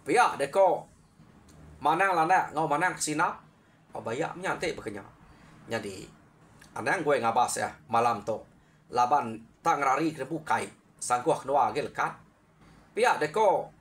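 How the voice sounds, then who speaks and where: Male storyteller, medium pitch, animated folk tale narration, swings between raised emphasis and quiet asides. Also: moderate pace.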